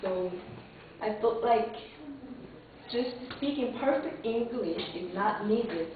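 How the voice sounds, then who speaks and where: A woman's voice: mid-range voice, expressive, takes it slowly, noisy background. A young woman with a Korean accent answering in a job interview, earnest and a little hesitant. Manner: earnest, hesitant with restarts and fillers. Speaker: job applicant for English teacher. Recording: distant echoey lo-fi phone-like room recording.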